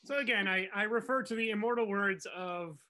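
American guy from new jersey co-hosting a podcast, bright voice, casual chatty. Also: high-pitched, fairly quick. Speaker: podcast co-host. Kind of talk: casual chat.

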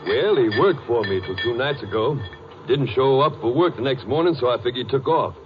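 An actor playing an easygoing oil drilling boss in a 1950s radio western, with a Southern American accent and a hesitant, folksy drawl. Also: male voice, medium pitch, animated, brisk, music in the background, lightly acted. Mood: affable, obliging. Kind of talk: 1950s radio western crime drama acting. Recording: muffled, noisy 1950s radio recording.

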